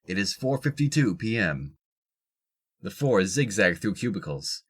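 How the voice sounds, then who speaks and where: A man's voice: on the low side, very animated, measured pace, breathy edge. A man reading scripted narration for an audio drama.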